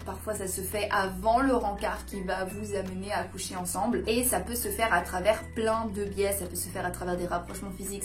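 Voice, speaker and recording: A woman coach talking casually to camera in a hyped-up, over-caffeinated way with emphatic bursts. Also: mid-range voice. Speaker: dating and seduction coach presenting her channel. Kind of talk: casual vlog explainer to camera.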